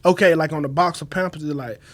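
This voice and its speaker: A man's voice: on the high side, fast. A young man with a Southern Black American accent telling casual, slangy stories full of swearing as a podcast guest. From Mississippi, USA. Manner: slangy, profane, animated storyteller. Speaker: podcast guest, former party promoter. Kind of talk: casual storytelling in conversation.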